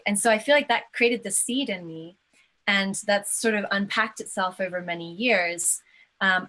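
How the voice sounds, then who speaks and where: A woman from England, a soft-spoken and reflective guest in a casual interview over a video call. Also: medium pitch.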